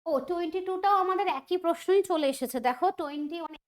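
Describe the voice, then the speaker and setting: Speaking very fast in an extremely high voice, an exam prep teacher leads an online quiz lesson. Her style is chatty and think-aloud, with frequent questions directed at the class.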